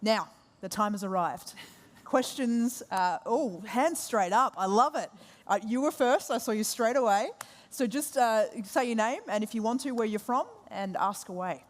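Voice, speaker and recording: A woman's voice: fairly high pitch, moderate pace. A woman hosting a live event, upbeat and encouraging. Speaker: event host. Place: event hall. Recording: long hall reverb.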